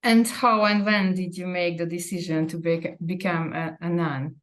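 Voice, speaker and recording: A woman with a slightly low voice hosts an online interview. She talks politely and warmly thanks her guest, pausing often with fillers as she searches for words. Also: fairly even intonation. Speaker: interviewer, host. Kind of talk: interview host.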